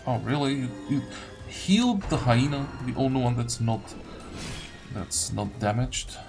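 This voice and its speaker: A man's voice: mid-range voice, animated, unhurried, creaky, over music. A man giving casual video game commentary, grumbling and thinking aloud as he plays. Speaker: gaming video host.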